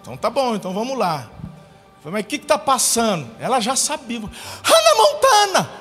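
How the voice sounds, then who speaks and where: A pastor with a high voice tells stories in his sermon, acting out the lines of the people in them. His voice rings through a large church hall with long reverb, and soft music plays faintly behind him. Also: sing-song, fast, husky. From Brazil. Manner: storytelling with acted-out quotes.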